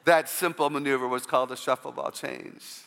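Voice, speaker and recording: A woman with a low voice, often taken for a man's, giving an inspirational church talk full of humorous personal stories and call-outs to the audience. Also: steady tone, normal speed, vocal fry, a bit bright, long reverb tail.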